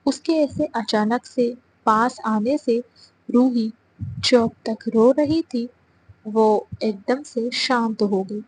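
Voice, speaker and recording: A woman narrating a romance audio story in an even storytelling delivery. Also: fairly high pitch, husky, poor audio.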